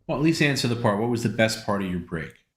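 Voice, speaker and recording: A man's voice: on the low side, big pitch swings, fast. A man co-hosting a live stream, answering the host in an easygoing, amused way. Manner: easygoing, mildly amused replies. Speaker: show co-host.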